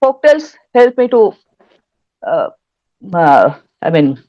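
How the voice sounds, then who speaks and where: A woman's voice: lowish voice, very animated, slow pace. A woman from West Bengal with a Bengali Indian accent, explaining things in an interview and often searching for her words. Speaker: interview guest, folktale researcher and writer. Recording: dull, lo-fi audio.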